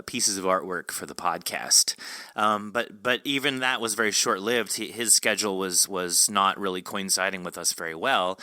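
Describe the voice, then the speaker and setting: Bright, crisp low-voiced man, casual podcast host. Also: dry recording. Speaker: podcast interviewer and team member.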